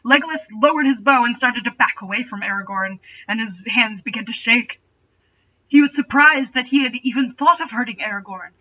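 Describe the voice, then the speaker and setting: Speaking briskly in a bright, forceful, slightly high voice, this woman dramatizes a story while tossing in playful, sarcastic commentary. It was captured on a dull, distant home mic.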